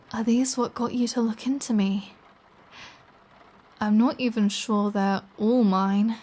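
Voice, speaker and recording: A woman's voice: on the high side, mellow. A woman playing a flirty, taunting, predatory vampire in an intimate audio roleplay, with a teasing, sardonic delivery. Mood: gloating, hungry. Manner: slow, teasing, sardonic, casually profane.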